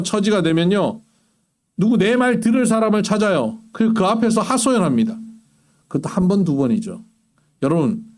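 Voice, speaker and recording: Male pastor preaching, high voice, really animated, acts out people's complaints. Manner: impassioned, acting out complaints in prayer with big pitch swings. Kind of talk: sermon.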